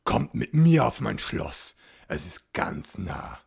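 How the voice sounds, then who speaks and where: A looming spectral knight, the black count, as a man puts him on, with a deep, hollow, gravelly voice. Every word lands loud, slow and commanding. This is a fairy-tale villain who owns the night. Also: sing-song, full character voice. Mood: menacing command. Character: huge ghostly black knight count, domineering.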